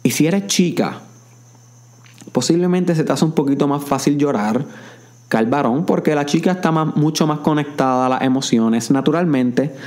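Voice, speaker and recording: A man's voice: fairly high pitch, moderate pace, a little mellow. A man delivering a motivational self-help monologue, addressing the listener directly in a repetitive coaching tone and dropping English phrases into his speech. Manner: mixes English phrases into Spanish.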